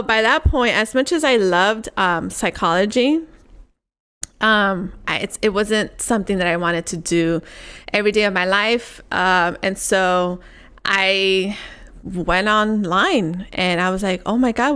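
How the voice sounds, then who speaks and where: A woman's voice: medium pitch, fairly bright tone, clear, resonant tone. A young woman from Puerto Rico chatting casually as co-host, rambling and laughing as she tells her story. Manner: rambling, laughs often, restarts thoughts. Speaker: podcast co-host. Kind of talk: casual chat.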